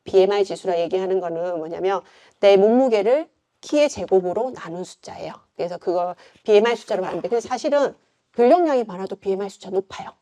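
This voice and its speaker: Chatty woman lecturer, mellow voice. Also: mid-range voice, fast. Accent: Gyeongsang. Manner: chatty, conversational, frequent fillers and rhetorical questions. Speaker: yoga instructor lecturing. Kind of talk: informal lecture.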